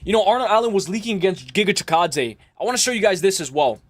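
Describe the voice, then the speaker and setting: A man hosting a live stream, chatting loosely with his viewers and rambling through quick asides. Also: sits high, lively intonation. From Spain. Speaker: livestream host. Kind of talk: casual live stream chat.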